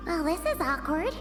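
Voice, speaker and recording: A woman voicing a tiny floating female companion creature in a video game, blunt and quick to scold. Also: very high-pitched, exaggerated voice. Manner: cheeky, quick to scold and fret.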